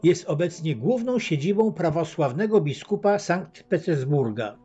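A man giving a scripted travel narration as a voice-over, reading facts and figures in a measured, even way. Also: a little high, husky. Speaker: documentary narrator. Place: voice-over, not recorded at the pictured site. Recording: dull lo-fi voice-over with faint choir music.

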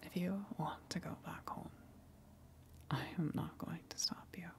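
A woman playing a gentle, coaxing eldritch tentacle monster in an ASMR roleplay, speaking hesitantly and considerately with long pauses. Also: fairly low pitch, fairly even intonation, vocal fry.

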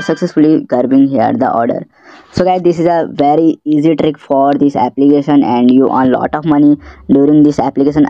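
A man's voice: a little high, background noise. A man with a South Asian accent narrating a tutorial step by step in non-native English, repeating himself as he promotes an app. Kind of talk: screen-recorded tutorial narration. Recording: dull, lo-fi voice-over.

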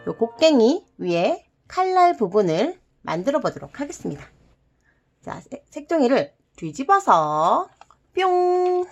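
A woman with a husky, medium-pitched voice hosts a children's origami tutorial. She walks kids through the craft step by step, repeating each move simply and slipping in playful little sound words.

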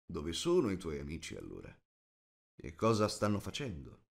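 A man's voice: low-pitched, huge pitch swings, moderate pace, vocal fry, voice pushed down, exaggerated voice. Man playing a stern, commanding elven king. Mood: stern, questioning. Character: stern, imperious elven king interrogating a captive.

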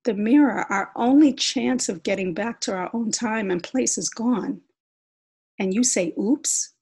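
A woman's voice: mid-range voice, unhurried, breathy edge. A woman voicing an exasperated teenage girl who rants indignantly at her brother. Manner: indignant, emphatic ranting.

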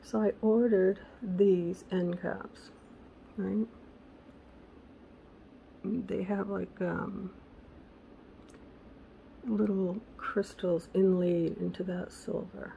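A woman hosting a casual crafting tutorial, chatty and correcting herself, her voice raspy because she is losing it. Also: medium pitch, fairly even intonation, very slow, pauses often, warm tone, dull audio, a little hiss or hum. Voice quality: gravelly. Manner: chatty, self-correcting, muttering asides to herself. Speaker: craft channel host.

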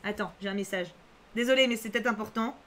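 A woman with a medium-pitched, fairly bright voice talks fast on a live stream, chatting casually with viewers. She reads chat aloud, reassures people, repeats herself and uses lots of fillers.

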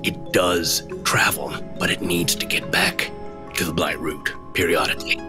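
A man playing an earnest investigator in a fantasy role-play game, explaining in a deliberate, halting way. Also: sits low, steady tone, music in the background. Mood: earnest, portentous. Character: earnest deep-voiced male investigator in fantasy party. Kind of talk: in-character tabletop role-play.

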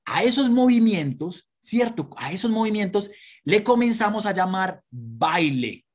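A woman giving a lively lesson to children, asking them questions and having them repeat words. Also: mid-range voice, a little slow, husky. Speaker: children's history presenter.

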